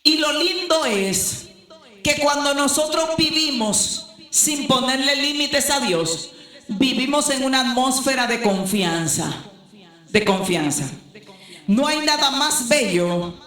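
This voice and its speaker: Older woman preaching, echoey room. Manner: emphatic preaching, rising to shouts then dropping low. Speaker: pastor. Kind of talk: sermon.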